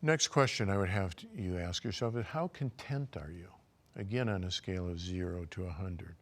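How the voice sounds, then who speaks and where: In a deep voice, an elderly doctor walks his audience through self-assessment questions. His health lecture stays calm and measured throughout.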